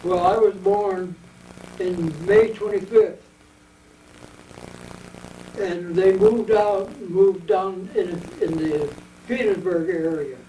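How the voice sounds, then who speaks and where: A man in his eighties with an American accent, telling his war memories at length in an oral history interview, wandering and pausing as he remembers. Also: high voice, animated, creaky, dark tone, slight background noise. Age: 80s. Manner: rambling reminiscing storyteller. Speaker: veteran interviewee. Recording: echoey room, mic at a distance.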